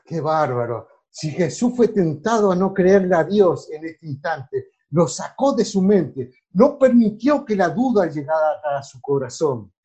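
In a mellow, somewhat high voice that swings widely in pitch, a male preacher gives a sermon built around Bible reading. He reads scripture aloud, calls out verse numbers and asks the congregation to read them, punctuating his points with emphatic exclamations.

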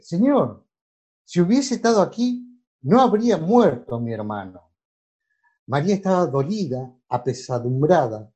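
A man's voice: on the high side, warm tone. A man preaching a sermon, reading Bible verses aloud and breaking in with emphatic exclamations. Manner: emphatic, exclaiming, asks listeners to read verses.

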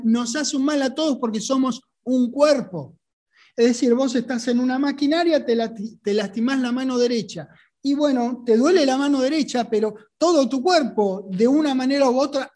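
A woman's voice: sits high, a little mellow. A woman with a Rioplatense Spanish accent teaching a Bible sermon, talking conversationally and asking her listeners rhetorical questions. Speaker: preacher.

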